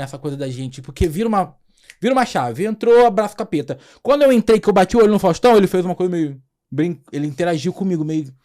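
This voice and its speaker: A young Brazilian man, a comic actor, telling lively anecdotes on a podcast and often breaking into laughter. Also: sits high. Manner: animated, laughing, acts out scenes. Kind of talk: casual anecdotal storytelling.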